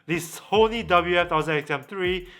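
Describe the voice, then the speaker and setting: A man presenting a product review as a vlog host, with deliberate phrasing and pauses for emphasis. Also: high voice, sharp tone.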